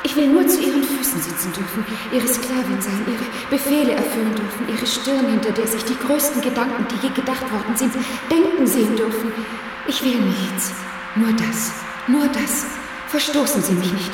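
A woman's voice: on the high side, normal speed, recorded from a distance, over music, lightly acted. An actress playing a devoted secretary in a radio play, pleading melodramatically with her boss. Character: devoted, despairing woman secretary. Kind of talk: 1950s radio play acting. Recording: roomy reverberant studio, voice off-mic.

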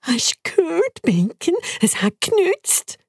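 A woman with a Swiss German accent voicing an excitable male guinea pig in a very high, squeaky voice for a storybook. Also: takes it slowly, vocal fry, dry recording, clean studio sound, exaggerated voice. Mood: excited. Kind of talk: storybook character voice.

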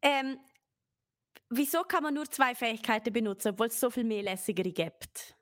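A woman, co-hosting a game podcast, enthusiastic and quick to laugh. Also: a little high, expressive. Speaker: podcast co-host. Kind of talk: casual game discussion.

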